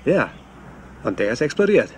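A man's voice: mid-range voice, sing-song, moderate pace, darkish tone, a little hiss or hum, natural voice. A man playing a laconic search officer in a German-dubbed crime drama, casual and clipped. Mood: matter-of-fact.

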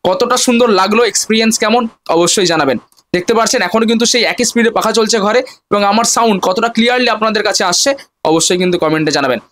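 A high-voiced man rattles through a chatty gadget demo at breakneck speed, his voice coming through a wireless clip-on mic with noise reduction artifacts. He keeps turning to his viewers as he talks, and his voice has a processed, gated edge from the noise cancelling. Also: a bit bright. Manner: fast, chatty, repeatedly addressing viewers. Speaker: tech vlogger reviewing a wireless mic. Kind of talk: casual product demo. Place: room at home with a fan running. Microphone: wireless clip-on transmitter.

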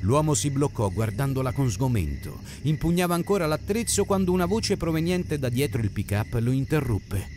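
A man reading an Italian novel aloud as narrator, in an expressive, dramatic style. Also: mid-range voice, normal speed, hardly any pauses, slight background noise. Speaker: audiobook narrator. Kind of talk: scripted narration.

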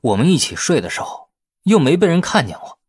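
A man playing a cocky husky-voiced businessman. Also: fairly high pitch, very animated, fairly quick, no echo, studio quality, voice pushed up. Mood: teasing. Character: cocky, teasing young businessman bantering with his lover.

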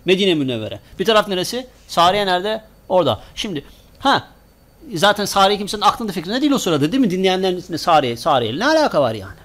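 A man's voice: high-pitched, big pitch swings, fast talker, fairly bright tone. A male preacher giving a sermon to a congregation, asking the listeners questions, answering them himself and repeating words in rhythmic runs. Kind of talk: Friday sermon talk to a congregation. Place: small mosque.

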